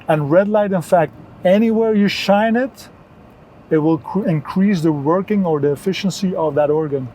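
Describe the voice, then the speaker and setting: Higher-voiced mellow man from Belgium, explaining earnestly. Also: normal speed, slight background noise. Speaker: interview guest, wellness entrepreneur. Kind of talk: conversational health advice.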